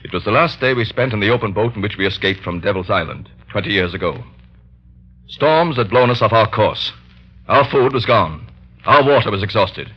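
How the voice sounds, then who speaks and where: An actor playing an earnest doctor and former convict in a 1930s radio drama. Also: male voice, fairly low pitch, expressive, moderate pace, slightly rough. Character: middle-aged male doctor, ex-convict, earnest. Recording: dull old radio recording.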